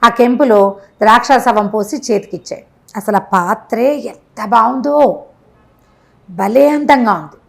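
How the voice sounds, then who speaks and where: A woman telling a moral tale in an animated, conversational way, stressing things by repetition and acting out the dialogue. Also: on the high side, measured pace, gravelly, pauses often. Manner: expressive, acts out dialogue, emphatic repetition. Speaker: storyteller.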